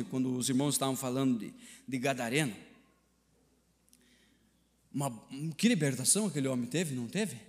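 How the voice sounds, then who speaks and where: A man with a Brazilian Portuguese accent preaches a sermon in a church sanctuary, in a large hall. He swings between shouted climaxes and low, hushed passages in a repetitive preaching cadence.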